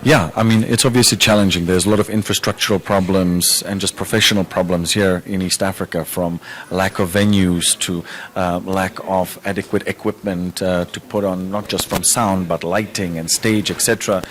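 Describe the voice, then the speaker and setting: Speaking at a moderate pace in a low voice, a man from the Czech Republic who works as a music manager gives relaxed, considered interview answers peppered with fillers. A slight hiss or hum is audible.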